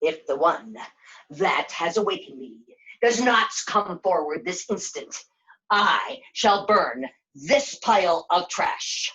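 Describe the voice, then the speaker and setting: A woman voicing a grumpy, imperious old male dragon in a puppet show, with slow, drawn-out proclamations. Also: fairly low pitch, expressive, fairly bright tone. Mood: imperious, threatening. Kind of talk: puppet show character acting. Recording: dull, lo-fi sound.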